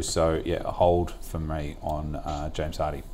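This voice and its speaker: A man with an Australian accent. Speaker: stockbroker. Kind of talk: market commentary discussion.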